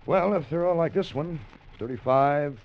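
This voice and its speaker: An actor playing a calm, steady salvage diver in a 1950s radio drama, talking in a measured, cautious way. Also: male voice, a little high, lo-fi sound, close to an everyday voice. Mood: relaxed. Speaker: deep-sea diver.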